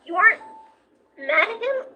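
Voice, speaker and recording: A performer voicing a timid, gentle skeleton boy in an animated comic dub, pleading and anxious. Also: extremely high pitch, moderate pace, a little hiss or hum, exaggerated voice. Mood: timid, uncertain. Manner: pleading, emotional.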